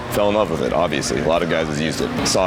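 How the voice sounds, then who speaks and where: A man's ordinary pitch variation is heard through audible room echo and noticeable background noise. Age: 20s. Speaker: touring metal guitarist. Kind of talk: interview monologue.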